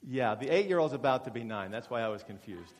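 A man's voice: medium pitch, animated, fast. A man in his forties giving a chatty, self-deprecating testimony as a guest speaker at a church, with many fillers and restarts. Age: 40s. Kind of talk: testimony talk to a congregation. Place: church meeting hall. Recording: reverberant church hall.

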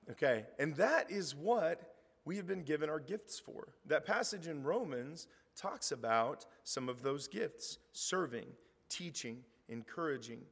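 Hoarse middle-aged preacher in a hall. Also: male voice, fairly high pitch. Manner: conversational, reads scripture aloud with rising emphasis. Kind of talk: sermon. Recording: reverberant hall.

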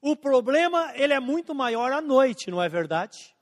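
A man preaching a sermon as pastor, slowing down and stretching out scripture quotes, swinging between emphatic and hushed lines. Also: very high voice, big pitch swings. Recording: long hall reverb.

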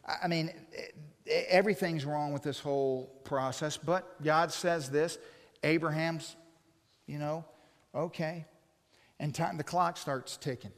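A man preaching a sermon, telling stories in an animated, jokey way. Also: on the high side, measured pace. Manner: animated, jokey anecdotal delivery. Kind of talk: humorous sermon storytelling. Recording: long reverb of a large hall.

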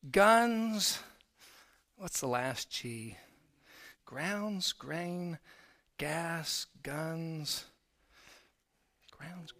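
A middle-aged man preaching a sermon, telling personal stories in a conversational way that swings from quiet to loud emphasis. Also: on the high side. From Texas, raised in Florida.

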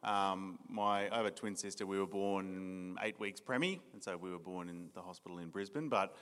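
A man's voice: deep voice, normal speed, fairly bright tone, clean tone. A young Australian man giving his personal testimony in a church interview, earnest, with many ums and restarts. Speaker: new church staff member being interviewed. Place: church hall. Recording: reverberant church hall.

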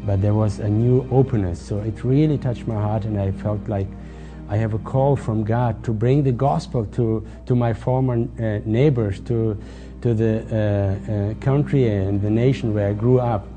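A man in his forties from Kazakhstan, a missionary church leader, giving a halting testimony for a ministry video. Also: on the low side, steady tone. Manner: halting, searching for words. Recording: music bed under the voice.

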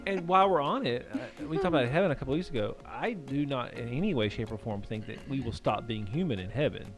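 A man, a pastor, chatting casually and joking about himself, with a higher, somewhat whiny voice. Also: animated, fast, music in the background. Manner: self-deprecating, joking. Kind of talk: casual chat.

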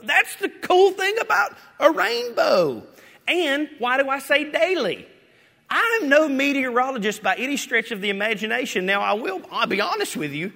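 Man, pastor, bright and forceful sermon voice, animated delivery, echoing hall. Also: very high-pitched. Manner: animated, swings from loud to hushed. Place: church sanctuary. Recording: echoey hall with long reverb.

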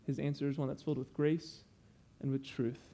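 A man's voice: mid-range voice, level tone, fairly quick, mellow. A young man preaching a sermon, earnest and explanatory, stopping to teach with asides.

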